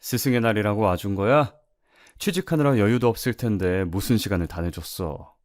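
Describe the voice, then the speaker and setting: A man voicing a kind high school homeroom teacher, gentle and caring, in a narrated story. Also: fairly quick, dry recording, studio quality, close to an everyday voice.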